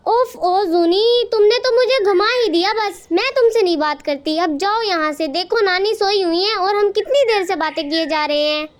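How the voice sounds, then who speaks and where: A woman's voice: very high-pitched, normal speed, hardly any pauses. A woman voicing a practical, fussy mother bird in a cartoon who lectures her son. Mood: scolding. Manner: scolding, lecturing.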